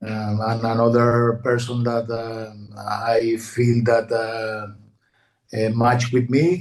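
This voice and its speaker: A man with a Spanish accent speaks at a very slow pace and a medium pitch. His intonation is monotone and flat, and audible room echo surrounds him. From Honduras. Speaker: participant in a healing session group. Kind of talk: casual chat. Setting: video call. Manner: halting.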